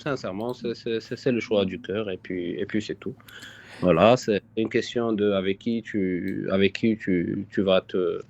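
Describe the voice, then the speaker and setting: A man's voice: lowish voice, fairly even intonation, moderate pace, vocal fry, a little mellow, dull audio. A young man from Morocco, a guest in a casual live-stream interview, who hesitates and repeats his words as he answers. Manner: hesitant, repeats words, often says "sincèrement".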